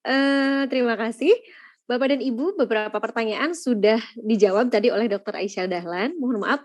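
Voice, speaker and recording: A woman's voice: on the high side, normal speed. Polite woman moderator on a video call. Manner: polite formal announcing. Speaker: webinar moderator. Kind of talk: formal moderation.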